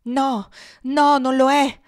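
A woman's voice: on the high side, moderate pace, dry recording, studio quality, voice pushed up, lightly acted. Woman voicing a frightened pleading young woman. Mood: forceful. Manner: urgent, pleading, raised voice. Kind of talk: audiobook character reading.

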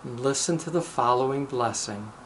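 A man speaking as a rabbi leading a guided meditation, measured and deliberate, pausing between short phrases and reciting blessings. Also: medium pitch, a bit bright, a little hiss or hum, low-quality recording.

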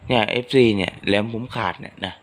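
A man hosting his own channel, chatting casually to his followers in a rambling, homely way with lots of fillers. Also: fast talker. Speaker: channel host. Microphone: phone microphone.

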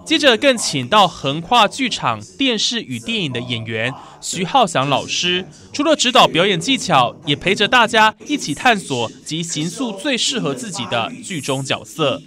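A woman's voice: fairly low pitch, very animated, moderate pace, few pauses, bright, forceful tone. A woman with a Taiwanese Mandarin accent reading scripted news narration as a reporter.

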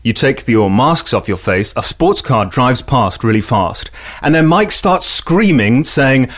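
A man's voice: medium pitch, unhurried. A man on a podcast recounting a clip he saw, in swearing, casual talk. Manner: animated storytelling, swearing.

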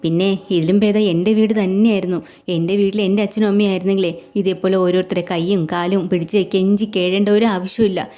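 A woman's voice: medium pitch, fairly even intonation, fairly quick, mellow, close to an everyday voice. A woman voicing a resentful young wife who complains indignantly, in a retold family story.

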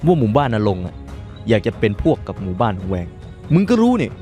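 Guy doing a smug backstabbing young gang dude, mocking rough slang, swingy pitch, music behind. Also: big pitch swings. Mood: gloating. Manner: mocking, drawn-out taunts in rough street slang. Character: sneering treacherous young male gang fighter, gloating turncoat.

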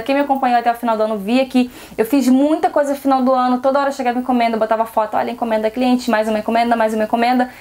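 Brazilian seamstress lady, high voice, blunt and direct, chatting tips to her viewers. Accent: Brazilian Portuguese. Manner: frank, direct, asks rhetorical questions. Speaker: seamstress vlogger. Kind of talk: casual advice vlog.

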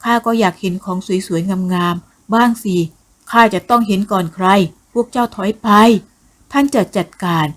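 A woman voicing a lecherous, brutal male soldier, speaking in a slow gloating drawl. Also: mid-range voice, close to an everyday voice. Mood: gloating menace.

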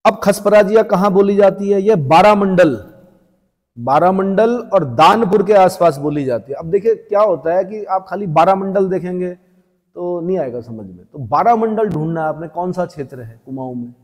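A male teacher from Uttarakhand with a local Hindi accent gives an exam revision lecture. He asks his students a question, answers it himself and slowly repeats the key terms so they stick. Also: sits high, expressive, a little mellow. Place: classroom or coaching room. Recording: long hall reverb.

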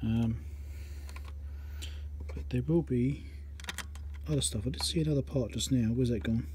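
Guy talking through a repair at his bench, thinking out loud, bit of faint background hum. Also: medium pitch, measured pace. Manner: muttering, thinking aloud while working. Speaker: electronics repair presenter. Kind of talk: casual workbench commentary. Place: electronics workbench indoors.

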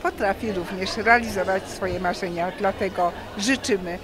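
A middle-aged woman speaks earnestly into a reporter's mic, measured and formal. Her pitch is ordinary, with loud crowd chatter behind her. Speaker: official giving a speech. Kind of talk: formal statement.

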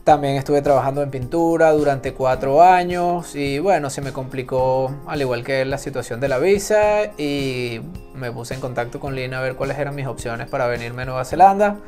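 A man, an interview guest who speaks in a measured, deliberate way. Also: medium pitch, darkish tone, soft background music. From Venezuela. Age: 30s. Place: small office on a sofa.

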